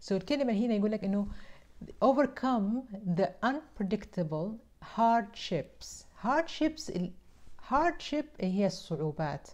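A woman speaks at a fairly slow pace, with very wide pitch swings. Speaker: English teacher and life coach; English teacher, life coach. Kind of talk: live online English lesson. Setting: live stream from home. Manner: animated. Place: home room.

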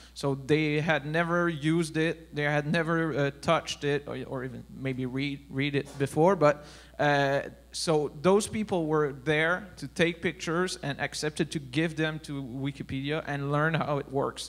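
In a Quebec French accent, a man speaks at a fairly high pitch and a fairly slow pace, his intonation fairly even. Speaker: wiki photography organizer; conference presenter. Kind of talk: conference talk. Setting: stage with audience. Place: hall. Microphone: handheld.

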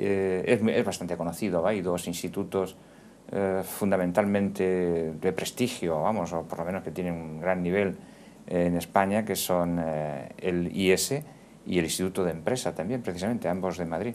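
With a very deep, low pitch and fairly even intonation, a man talks at a moderate pace over light background noise. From Nerja, Málaga, Andalusia, Spain; Andalusia, Spain. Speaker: cave foundation manager and politician; politician. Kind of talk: interview. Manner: hesitant, many filler sounds. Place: studio. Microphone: lapel.

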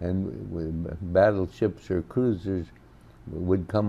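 The speaker has an American accent. The pace is very slow. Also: man. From Montana. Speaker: war veteran. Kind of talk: oral history interview. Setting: Corona, California. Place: home room. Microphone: lapel.

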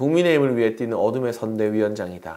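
A man speaks against a quiet background. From South Korea. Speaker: political commentator. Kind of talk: political commentary monologue. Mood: critical, sarcastic. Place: studio. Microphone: studio mic.

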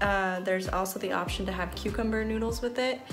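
Clear music sits behind a woman's speaking voice. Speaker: health vlogger. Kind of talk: casual vlog chat. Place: kitchen. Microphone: phone near.

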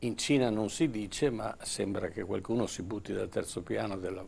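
Somewhat breathy, a man speaks at a fairly slow pace with a fairly low pitch and ordinary pitch variation. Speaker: local political guest. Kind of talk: televised political debate. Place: studio. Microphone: lapel.

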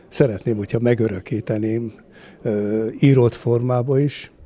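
Recorded dry with no echo, a man talks at a moderate pace in a dark, mellow tone with ordinary pitch variation. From Hungary, Salgótarján (Nógrád county); Hungary. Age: old. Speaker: author. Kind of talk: interview. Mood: calm, warm. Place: hall. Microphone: handheld.

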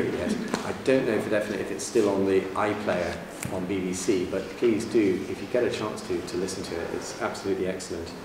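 A man talks at a fairly quick pace. Noticeable background noise and audible room echo are present. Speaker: researcher introducing the speaker. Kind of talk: formal introduction speech. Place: hall. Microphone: camera far.

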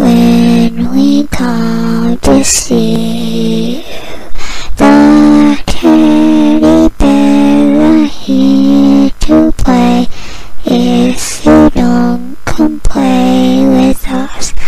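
A cartoonish character voice at a very slow pace over loud background noise. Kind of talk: horror skit. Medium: puppet.

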